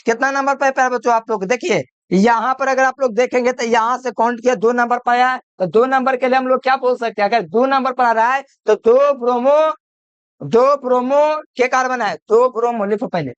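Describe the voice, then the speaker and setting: A man's voice: extremely high pitch, fairly quick, clear, resonant tone, dry recording, lo-fi sound. A man giving a chemistry video lecture, repeating each point and quizzing the listener with call-and-answer questions. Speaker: chemistry teacher. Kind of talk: classroom-style video lecture.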